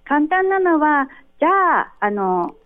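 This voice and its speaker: A woman's voice: high-pitched, big pitch swings, slow. Polite woman teacher on a narrow line. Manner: polite, explaining patiently with example phrases. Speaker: Korean language teacher, guest. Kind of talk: radio interview.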